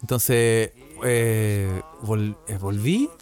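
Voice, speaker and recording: A man's voice: lowish voice, drawn-out words, faint music behind. A young man with a Chilean accent, co-hosting a casual podcast and telling an anecdote with lots of slang, acting out the voices of people in it. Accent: Chilean Spanish. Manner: animated, acts out voices in anecdotes, heavy slang, frequent laughs. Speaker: podcast co-host. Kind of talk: casual storytelling chat.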